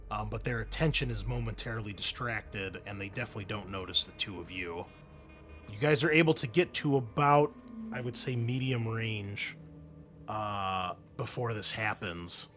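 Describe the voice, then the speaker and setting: A man narrating a tabletop game as game master, talking to his players in a halting, conversational way. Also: medium pitch, fairly bright tone. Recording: music behind the voice. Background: background music.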